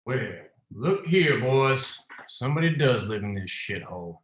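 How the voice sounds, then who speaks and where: A man's voice: medium pitch, expressive, a little slow, natural voice. Man playing an arrogant detective, echoey room. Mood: menacing. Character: menacing, arrogant 1920s company detective. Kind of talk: screenplay table read. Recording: roomy echo, faint noise.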